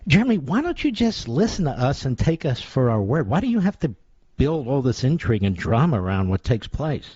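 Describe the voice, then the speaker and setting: Male talk radio host, sarcastic and combative, very animated delivery, dull dry audio. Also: mid-range voice, fairly quick, breathy edge, no room sound. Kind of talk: opinion talk radio monologue.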